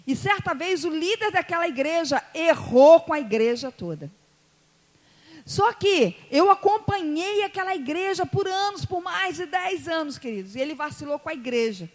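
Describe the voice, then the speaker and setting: With a very high, sing-song voice at a moderate pace, a Brazilian woman pastor with an Espírito Santo accent preaches and tells stories. Her delivery goes from gentle asides to loud, emotional peaks, recorded with long hall reverb.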